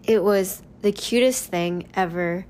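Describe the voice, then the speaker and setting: A woman's voice: mid-range voice, slow, a little mellow, a little hiss or hum. A young woman hosting a casual solo podcast, chatting in an upbeat, rambling way while still getting over a cold. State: recovering from a cold. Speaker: podcast host.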